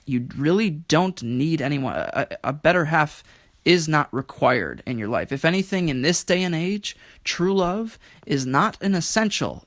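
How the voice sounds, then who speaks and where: A man's voice: a little high, fairly bright tone, no echo, studio quality. A man speaking in an earnest, reflective way as a guest poet. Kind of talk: earnest conversational talk and poetry reading.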